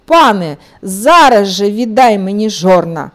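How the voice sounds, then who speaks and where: A woman voicing a small, bold, stubborn male rooster in a told fairy tale, shouting insistent demands in a higher, louder voice. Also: lively intonation, measured pace. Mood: demanding.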